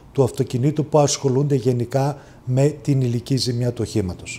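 A man speaks slowly with a dark, mellow, somewhat breathy tone and fairly even intonation. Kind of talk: interview answer. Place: office.

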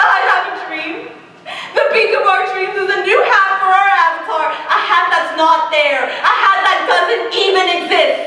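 Strong room echo surrounds a woman using a raised, projected voice at a fairly slow pace. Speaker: stage actor. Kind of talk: theatrical monologue. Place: stage.

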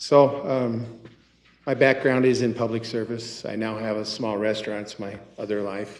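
Speaking at a moderate pace with an Upper Midwest accent, a man with medium pitch keeps fairly even intonation but makes big swings in loudness, amid audible room echo and noticeable background noise. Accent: Upper Midwest American. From Sioux City, Iowa, US Midwest. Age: 60s. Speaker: restaurant owner, board applicant. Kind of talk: public meeting statement.

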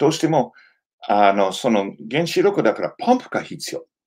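The voice has an American accent and very wide pitch swings. The background is quiet. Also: man. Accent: American-accented Japanese. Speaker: historian and YouTuber; YouTuber. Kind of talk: casual live chat. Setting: live stream, online. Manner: halting, non-native Japanese. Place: home room. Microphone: webcam.

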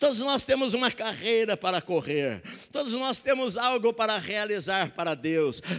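A man speaks at a moderate pace with a high pitch and lively intonation. The background is quiet. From interior of São Paulo state, Brazil. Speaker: pastor. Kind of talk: sermon. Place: church. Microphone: handheld.

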